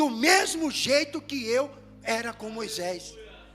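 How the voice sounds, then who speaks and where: A man talks with lively intonation while music plays in the background. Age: 60s. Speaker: pastor. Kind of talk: sermon. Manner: animated.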